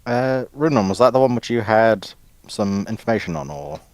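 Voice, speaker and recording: A man's voice: mid-range voice, fairly even intonation, moderate pace, a little mellow, clear, resonant tone, no room sound. A man chatting casually as a guest panelist, giving his opinions. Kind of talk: casual discussion of science fiction ships.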